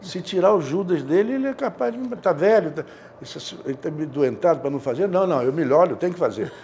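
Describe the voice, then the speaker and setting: Casting: man in his 70s, Rio accent, gravelly and mellow, casual storyteller in an interview. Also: on the high side, animated, fast talker, a little hiss or hum. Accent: Brazilian, Rio de Janeiro. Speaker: interview guest, theatre director. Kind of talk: casual anecdotal interview talk. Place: indoor studio, seated. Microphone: lapel.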